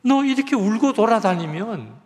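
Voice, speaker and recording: A frantic father scolds his lost little daughter loudly and in exasperation, his voice pushed high and swinging widely, as a preacher acts him out. It rings through a reverberant church hall. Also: expressive, normal speed. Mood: scolding.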